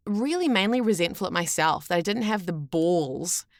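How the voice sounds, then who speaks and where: A woman's voice: on the low side, animated, normal speed, no room sound. A woman telling personal stories as a podcast guest, enthusiastic and chatty, acting out what people said. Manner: chatty, enthusiastic, acts out reported speech. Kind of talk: animated personal storytelling.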